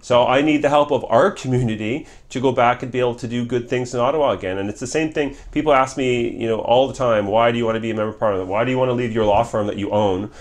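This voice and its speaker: A man's voice: mid-range voice, fast, hardly any pauses. A middle-aged man whose first language is Polish, a former member of Parliament answering interview questions in an earnest, repetitive way with many restarts. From Canada.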